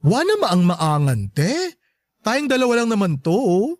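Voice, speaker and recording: An actor playing a sassy, campy gay best friend in a Tagalog radio drama, teasing and bluntly caring, drawing out emphatic words. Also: male voice, sits high, huge pitch swings, measured pace, no room sound, studio quality, exaggerated voice.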